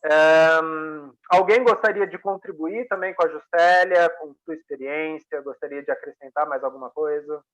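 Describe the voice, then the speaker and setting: A man's voice: fairly high pitch, normal speed, fairly bright tone, rough recording. A man, a workshop facilitator giving a reflective talk on a video call, often checking in with tag questions. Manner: frequent tag questions, conversational.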